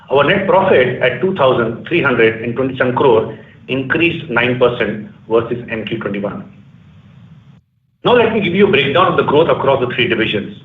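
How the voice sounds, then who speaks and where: A man with an Indian accent giving a prepared, formal and measured financial presentation as a company executive on a conference call. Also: medium pitch. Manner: formal, measured corporate delivery. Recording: distant, echoey phone-like conference line.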